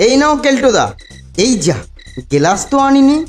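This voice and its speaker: A crafty young cartoon schoolboy, acted out by a woman, high-pitched with very lively intonation. He coaxes in a mock-respectful way. There is clear music behind the voice. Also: moderate pace. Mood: coaxing. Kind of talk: cartoon voice acting.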